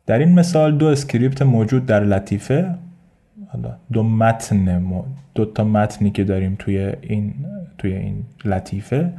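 A man with a Persian accent hosts a casual solo podcast, his voice on the low side and warm. He thinks aloud in a rambling way, full of fillers and restarts.

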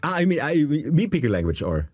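A man's voice: a little high, big pitch swings, fairly quick, darkish tone, breathy edge. A man interviewing a singer, encouraging and stammering, with many backchannels. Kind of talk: casual interview chat.

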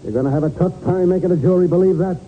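An actor playing an earnest, dogged American police sergeant, emphatic and urgent, in 1940s radio crime drama style. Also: male voice, sits high, very fast, close to an everyday voice. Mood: flustered. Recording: narrow-band 1940s radio with faint noise.

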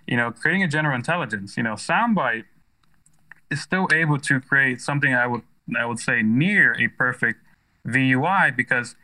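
Bright-voiced American man explaining with enthusiasm. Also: mid-range voice, poor audio. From United States. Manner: enthusiastic, emphatic, peppered with "you know". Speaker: tech startup founder, interview guest. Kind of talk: casual, explanatory interview talk.

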